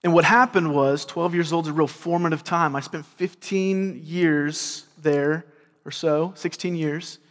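Earnest Southern preacher in a reverberant hall. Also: male voice, a little high, steady tone, a little slow. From grew up in California and Georgia. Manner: earnest, repeats words, asks the crowd "right?". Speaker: pastor. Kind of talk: sermon.

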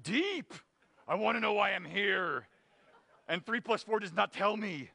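A man voicing an excitable young boy who whines dramatically about homework. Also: sits high, a little slow, gravelly, pitched above the performer's own voice, exaggerated voice. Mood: earnest. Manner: whiny, outraged.

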